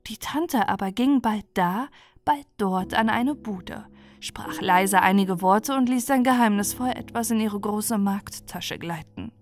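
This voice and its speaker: A woman's voice: mid-range voice, a little slow. A woman narrating a bedtime fairy tale as a storyteller. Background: music.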